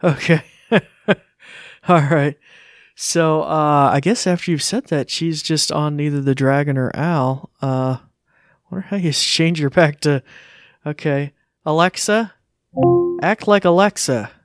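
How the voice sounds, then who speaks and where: A man's voice: a little high, steady tone, unhurried, pauses often, no echo, studio quality. A man giving a casual live tech demo, informal and hesitant, easily amused. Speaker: tech demonstrator.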